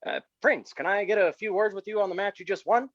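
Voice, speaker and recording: A man's voice: high-pitched, fast, a bit bright, no room sound. A man playing an eager, polite backstage interviewer in a staged reading of wrestling promos, on a lo-fi microphone. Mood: polite, inquisitive. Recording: dull lo-fi microphone.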